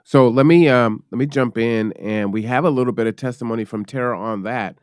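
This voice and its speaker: A man's voice: mid-range voice, a little fast, clear, resonant tone, no echo, studio quality. A man hosting a live show, talking loosely and chattily with fillers. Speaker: host.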